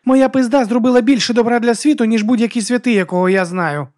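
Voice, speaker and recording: Brash female werewolf warrior, much higher and louder than plain speech, as a man voices her. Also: expressive, fairly quick. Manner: coarse, loud and brash.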